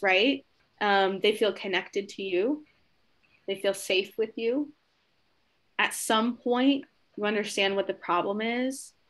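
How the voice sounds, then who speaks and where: A woman with a medium-pitched voice leads a conversational training webinar for educators, sounding warm and encouraging. She often checks in with "right?" and acts out brief exchanges with children.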